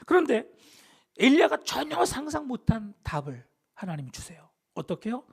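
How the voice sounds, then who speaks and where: A man's voice: very high-pitched, normal speed, creaky, husky. A man preaching a sermon as a pastor. He asks the congregation questions, answers them himself, and drops into dramatic whispers. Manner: animated, dips into dramatic whispers.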